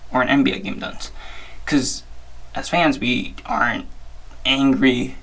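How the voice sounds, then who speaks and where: A young man hosting his own podcast, his voice hoarse and strained. The tone is gravelly with plenty of fry. He talks in a chatty, upbeat way and often restarts his sentences. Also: mid-range voice, unhurried, fairly bright tone, rough recording. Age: young adult. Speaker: podcast host. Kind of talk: casual solo sports talk.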